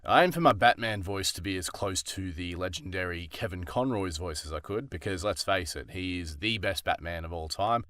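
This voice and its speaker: A man's voice: deep voice, normal speed, hardly any pauses, a bit bright, no echo, clean studio sound. A man talking casually as a voice actor presenting his work in a vlog.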